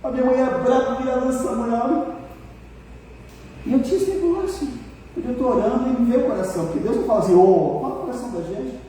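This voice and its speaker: An older pastor with a Brazilian accent delivers a folksy, teasing sermon and keeps asking the congregation to answer him. His voice sits high yet sounds mellow. It reaches the mic from far off through a long, echoing hall with faint noise behind. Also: expressive, fast. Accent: Brazilian Portuguese. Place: church hall.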